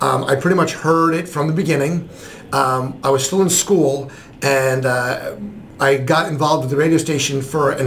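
A man with an American accent speaks at a moderate pace in a fairly high, somewhat breathy voice. His intonation stays fairly even, and the room echo is audible. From New Jersey. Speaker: radio station owner. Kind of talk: casual interview.

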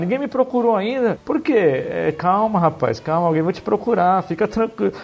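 Talking fairly quickly with hardly any pauses, a man uses a high pitch and lively intonation. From Santos, São Paulo state, Brazil. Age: 30s. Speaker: evangelical church member. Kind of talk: casual panel discussion.

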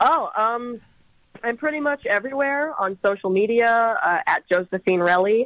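In a dry, close sound with no echo, a woman with an unremarkable speaking voice talks at a moderate pace with a fairly high pitch and lively intonation. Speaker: musician. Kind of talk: casual radio interview.

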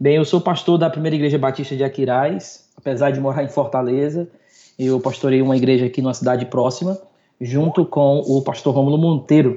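A man speaks in a normal speaking voice, fairly high in pitch, at a fairly quick pace with fairly even intonation. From Brazil, Northeast (Ceará). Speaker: pastor and Greek professor. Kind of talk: interview on biblical studies.

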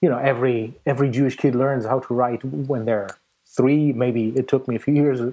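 With a German accent, a man speaks at a moderate pace in a dark, mellow tone, his medium pitch showing ordinary variation. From Germany (Munich), then Jerusalem from childhood. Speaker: calligrapher and tattoo artist. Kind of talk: interview. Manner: halting.

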